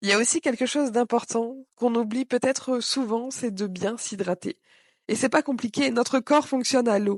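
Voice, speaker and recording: A woman speaks at a high pitch with ordinary pitch variation. Her pace is moderate. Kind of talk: podcast monologue. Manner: casual, humorous.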